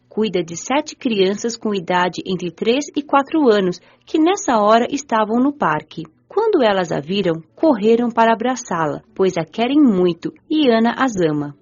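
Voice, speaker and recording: A woman's voice: a little high, darkish tone. A woman with a Brazilian accent reading scripted first-person narration for an audiobook. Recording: muffled lo-fi audio with music.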